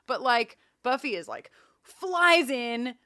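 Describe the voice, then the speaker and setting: Woman co-host for a casual recap podcast. Bright, forward voice, animated and emphatic delivery, close dry sound. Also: on the high side, slow, dry recording. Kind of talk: casual chat recapping a TV episode.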